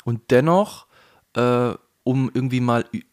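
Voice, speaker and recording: A man from the Palatinate region of Germany with a faint Palatinate German accent, a voice actor speaking thoughtfully in a relaxed interview, pausing often with fillers. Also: medium pitch. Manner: thoughtful, hesitant, many fillers. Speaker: guest, voice actor. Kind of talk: casual conversational interview.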